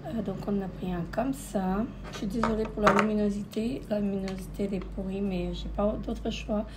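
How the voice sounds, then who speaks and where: A woman's voice: medium pitch, fairly even intonation, normal speed. Woman hesitantly showing off holiday purchases. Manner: hesitant, many filler sounds, repeats "comme ceci". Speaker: vlogger. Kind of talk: casual holiday haul vlog. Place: indoors at a holiday rental near the beach. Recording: crinkling packaging noise close by.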